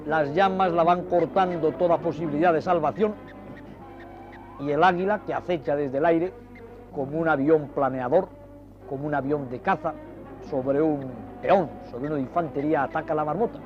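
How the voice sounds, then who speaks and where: A man with a fairly high voice, speaking at a moderate pace, presents a nature documentary, explaining the film footage to viewers. His manner is didactic and direct, his wording ornate and dramatic like a story. The dull vintage TV sound carries music underneath.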